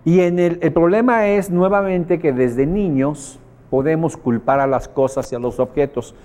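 Speaking at normal speed with a mellow, fairly high-pitched voice and fairly even intonation, a Mexican-accented man gives a motivational seminar to a group. He talks emphatically and casually, repeating phrases for impact and questioning his listeners.

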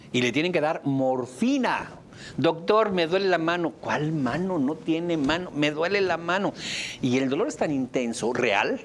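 A man with a Mexican accent, a therapist giving a talk to a live audience, animated and theatrical, acting out examples with sudden leaps in pitch. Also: slight background noise.

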